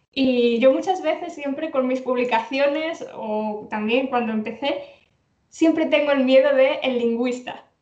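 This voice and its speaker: Pitched high, a woman speaks at a fairly slow pace with fairly even intonation. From Salamanca, Spain. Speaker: Spanish teacher. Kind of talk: casual interview.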